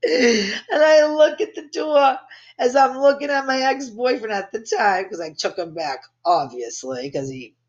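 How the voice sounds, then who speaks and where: A woman's voice: high-pitched, big pitch swings, measured pace, lo-fi sound. A woman hosting a podcast, telling a family story in a brash, profane way and laughing at her own jokes. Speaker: podcast host. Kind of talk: casual storytelling.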